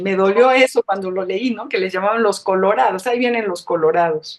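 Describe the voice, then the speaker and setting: A woman talks at a moderate pace at medium pitch. She has a normal speaking voice. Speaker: guest, daughter of Spanish republican exiles. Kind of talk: radio interview, testimony.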